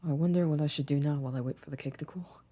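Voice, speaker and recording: Gentle, reserved boyfriend, acted by a man, soft-spoken. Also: on the high side, fairly even intonation, very fast, close to an everyday voice. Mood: tender, teasing. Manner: formal careful wording, soft-spoken, few contractions. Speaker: audio roleplay voice actor. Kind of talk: intimate ASMR boyfriend roleplay.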